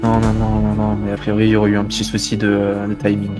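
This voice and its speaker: A man playing a calm officer held hostage in an online crime roleplay, placating his captor in a measured way. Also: fairly low pitch, soft background music, close to an everyday voice.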